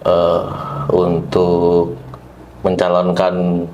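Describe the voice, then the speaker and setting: A man from Java, a political candidate answering interview questions in a measured, hesitant way with many pauses. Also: low voice, completely flat delivery, darkish tone, highs cut off, slight background noise. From East Java.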